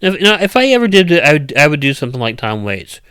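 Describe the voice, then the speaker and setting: A man chatting casually with viewers on a stream, with a loud, strong voice and an uneven, rambling cadence full of restarts. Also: on the high side, very animated, fast, clear, resonant tone, no room sound. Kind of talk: casual live chat.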